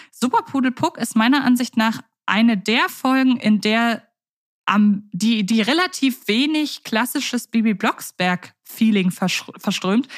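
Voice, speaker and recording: Female podcast co-host, casual and talkative, hesitates with fillers. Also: medium pitch. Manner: chatty, thinks aloud with fillers.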